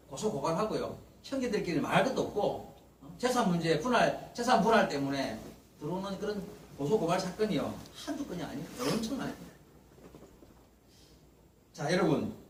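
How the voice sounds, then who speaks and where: A man preaching a Sunday morning sermon as pastor, acting out the words of Bible figures. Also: high-pitched. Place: church sanctuary. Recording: roomy church echo, mic at a distance, faint hiss.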